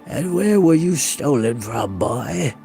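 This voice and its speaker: A man voicing a frail old male bard with a soft, lisping voice and a lilting, passionate way of speaking. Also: fairly high pitch, unhurried, faint music behind, natural voice. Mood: soft warning.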